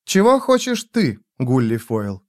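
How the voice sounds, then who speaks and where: A man's voice: mid-range voice, huge pitch swings, a little mellow, no room sound, studio quality. Earnest young woman in an audiobook, man putting on the voice. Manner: slow, earnest.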